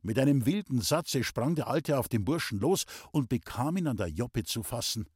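A man reading a classic novel aloud as an audiobook, in even, measured storytelling. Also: mid-range voice, breathy edge, dry recording, studio quality. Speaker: audiobook reader. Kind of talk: scripted narration of a classic novel.

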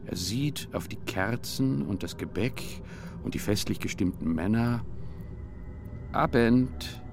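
A man narrating a written story in a measured, descriptive way. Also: on the low side, lively intonation, vocal fry.

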